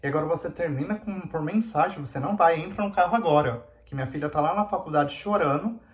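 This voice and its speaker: A man's voice: a little high, fast, voice pushed up, lightly acted. A man doing a furious domineering mother. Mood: angry, demanding. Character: furious middle-aged mother, woman, domineering. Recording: roomy echo.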